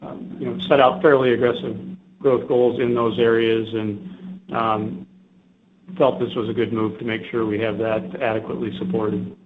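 A man, an insurance executive, giving a steady answer with fillers on an earnings conference call. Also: fairly low pitch, normal speed. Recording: tinny phone line with faint hiss.

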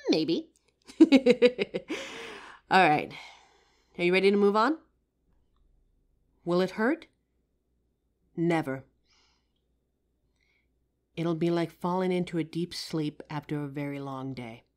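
Girl acting as a kind playful lady psychic in an audio roleplay, gentle n slow, pitch moves around a lot. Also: animated. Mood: excited, warm. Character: kind, playful female psychic helping a ghost. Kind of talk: audio roleplay addressed to the listener.

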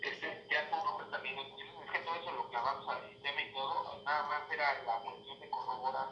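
A man's voice: medium pitch, steady tone, fairly quick, pushed and bright. A man with a Mexican accent talking informally as a pizzeria operator confirming things on a customer call. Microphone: phone call on speaker. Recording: noisy echoey speakerphone, far from mic.

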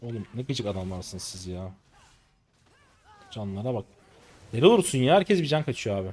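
Excitable late-twenties male gamer. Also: on the low side, moderate pace. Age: late 20s. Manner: excitable, exasperated, rough slangy banter with teammates. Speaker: gaming streamer. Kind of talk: live gameplay commentary.

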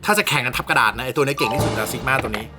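A young man chatting casually and excitedly as he reviews a camera lens, swearing now and then. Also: medium pitch, racing. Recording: music bed under the voice.

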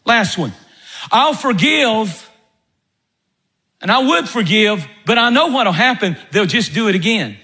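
A man preaching a sermon as pastor, emphatic, dropping his voice low when telling a story. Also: very animated, a little slow, pauses often, pushed and bright.

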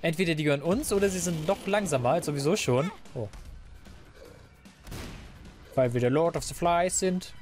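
Chatty, slightly hoarse young man gaming. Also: on the high side, moderate pace, long pauses, darkish tone, soft background music. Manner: chatty, rambling, self-mocking. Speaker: let's player. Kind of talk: casual gameplay commentary. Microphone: desk microphone.

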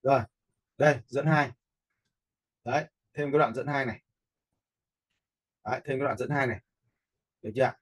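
A man giving a casual, step-by-step software tutorial, informally checking in with listeners as he goes. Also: medium pitch, fairly even intonation, moderate pace, pauses often, breathy edge. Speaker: video editing instructor. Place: indoors, voice-over for a screen recording.

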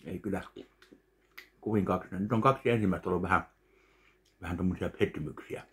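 A man in his thirties from Finland, casually tasting and judging candies at home, talking slowly between bites. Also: deep voice, fairly bright tone. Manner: slow, chewing between remarks. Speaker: candy taste-test vlogger. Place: home kitchen, indoors. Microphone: webcam at desk distance.

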